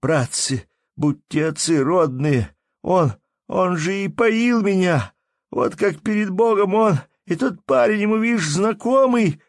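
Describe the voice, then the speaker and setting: A man voicing a desperate poor peasant who wails and begs in a creaky, husky, strained high voice. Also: takes it slowly, dry recording, studio quality. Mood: pleading. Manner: wailing, begging, folksy speech.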